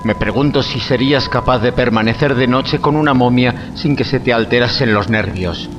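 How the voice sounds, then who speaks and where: An actor playing a young, obsessive Egyptology scholar in an audio horror drama, theatrical and erudite. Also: male voice, medium pitch, normal speed, highs cut off, noisy background, lightly acted. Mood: shaken, defensive.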